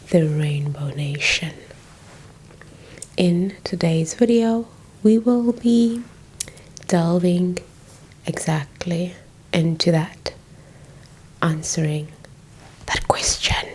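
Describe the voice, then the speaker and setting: A young South African woman with a South African accent, whispering an ASMR lesson as she recovers from flu, softly repeating words into a close mic. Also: fairly low pitch, breathy edge, low-quality recording. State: recovering from flu, a little hoarse. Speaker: ASMR creator. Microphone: close microphone.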